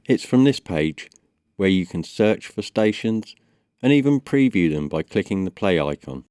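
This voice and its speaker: Man, deep voice, dry close sound, measured tutorial voice-over, instructional. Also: expressive, darkish tone, clean tone, no room sound. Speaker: tutorial presenter. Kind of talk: step-by-step software tutorial voice-over.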